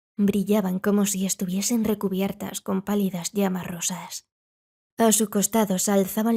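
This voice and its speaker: A woman's medium-pitched, somewhat breathy voice with a dark, mellow tone and monotone, flat intonation, in a dry, close sound with no echo. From southern Spain. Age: 20s. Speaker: voice actor. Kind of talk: audiobook narration.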